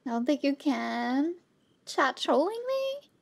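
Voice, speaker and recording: A woman's voice: high-pitched, big pitch swings, slow, gravelly, a little mellow, faint music behind. A woman doing casual, playful live gameplay commentary, chatting with her viewers as she plays. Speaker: game streamer.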